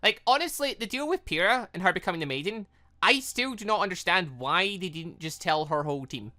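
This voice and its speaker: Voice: medium pitch, sharp tone. A British let's play host giving casual commentary on a game, rambling and thinking aloud. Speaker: gaming video host.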